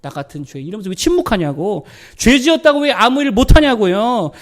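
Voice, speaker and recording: Middle-aged male pastor, high-pitched, preaching with insistent repetition and rhetorical questions. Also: sing-song, a little fast. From South Korea. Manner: emphatic preaching, repeats phrases and asks the congregation questions. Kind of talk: sermon. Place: church sanctuary.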